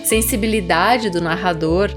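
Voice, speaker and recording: A woman's voice: on the low side, measured pace, over music. A woman with a Brazilian accent who hosts a literary podcast, reading and talking about books. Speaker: podcast host and literary reader. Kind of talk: literary narration and conversational book discussion.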